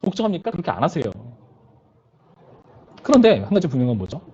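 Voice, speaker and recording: A man's voice: fairly high pitch, sing-song, fast talker, dark tone, breathy edge, highs cut off. A male pastor preaching to a youth service in a conversational way, often putting questions to his listeners.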